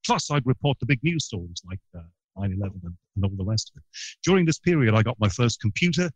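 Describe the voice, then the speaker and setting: A middle-aged radio broadcaster from Liverpool with a trained neutral English accent tells long, rambling stories with plenty of asides in a guest interview. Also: male voice, lowish voice, expressive, fast talker, husky, no room sound, low-quality recording. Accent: neutral southern English broadcast accent. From Liverpool, England. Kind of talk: anecdotal interview storytelling.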